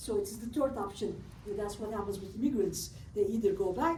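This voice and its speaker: Amid audible room echo and noticeable background noise, a woman talks at a fairly quick pace with a medium pitch and ordinary pitch variation. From Turkey, Izmir. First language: Turkish. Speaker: political science professor. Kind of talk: lecture.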